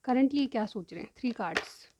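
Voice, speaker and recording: A woman reading tarot cards for her viewers. She explains each card in turn, often says "theek hai", and keeps clearing a sore throat. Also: fairly high pitch, animated, fast talker, noisy background. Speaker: tarot reader.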